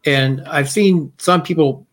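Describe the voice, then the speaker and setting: A man interviewing a software developer, cutting in politely with measured questions. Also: on the high side. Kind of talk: casual technical interview.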